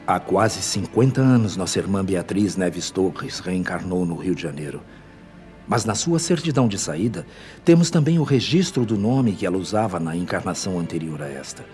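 An actor playing a benevolent, composed spirit mentor in a radio soap, explaining in a measured, formal way. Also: male voice, sits low, expressive, darkish tone, faint music behind. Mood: composed, explanatory. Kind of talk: radio soap opera acting.

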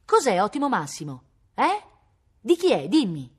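An eager young boy calls out and urges his dog on, earnest and insistent, as a woman reader puts him on. The voice sits well above her own low register, with a lively, lilting rise. It comes from a storybook reading. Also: moderate pace, breathy edge, exaggerated voice. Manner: urging, calling out.

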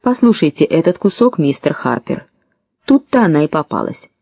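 A woman reading the lines of a calm, persuasive male FBI agent in an audiobook. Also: deep voice, normal speed, no echo, clean studio sound, full character voice.

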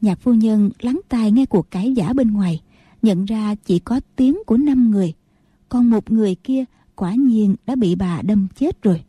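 A woman narrating a martial-arts novel as an audiobook in a steady storytelling manner. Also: medium pitch, moderate pace, husky, no echo.

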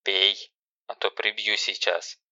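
A man voicing a stern, sarcastic older sister who gives loud, harsh commands. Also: fairly low pitch, little pitch movement, slow, no echo, full character voice. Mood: harsh commanding. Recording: dull lo-fi recording.

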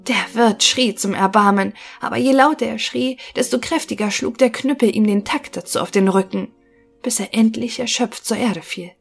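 A woman's voice: on the high side, moderate pace, gravelly, husky. Woman narrating a fairy tale. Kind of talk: fairy tale audiobook reading. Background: faint music.

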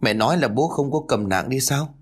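A man's voice: medium pitch, animated, brisk, husky, voice pushed up. Figure: a man voicing a flustered grown village son. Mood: anxious. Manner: urgent, flustered. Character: anxious adult son in a village family.

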